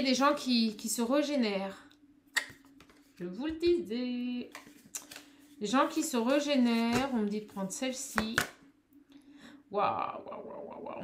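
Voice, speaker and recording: A woman doing a card reading for her viewers, talking straight to them and calling out to her spirit guides, with a small high voice. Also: a little hiss or hum. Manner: addresses viewers directly, exclamatory, calls on spirit guides. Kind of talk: tarot reading to camera.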